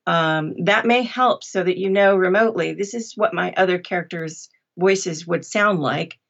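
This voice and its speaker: Lower-pitched woman guest, slightly muffled sound. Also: normal speed, vocal fry, fairly bright tone. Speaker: podcast guest, audiobook narrator. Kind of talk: interview conversation, giving advice.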